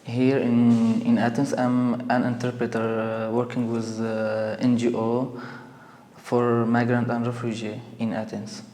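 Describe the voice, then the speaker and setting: Halting young man, roomy echo. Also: medium pitch, monotone, dark tone. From Syria. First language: Kurmanji. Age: 20s. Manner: halting non-native English with frequent pauses and restarts. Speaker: interviewee. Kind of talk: personal testimony interview. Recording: roomy with long reverb.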